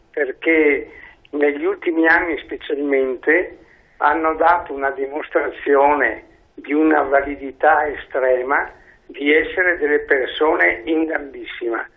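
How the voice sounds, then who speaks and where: A man calling in to a talk show over the phone, speaking slowly and earnestly. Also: on the high side, fairly even intonation. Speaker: caller. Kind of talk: call-in comment on radio talk show. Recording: tinny phone line.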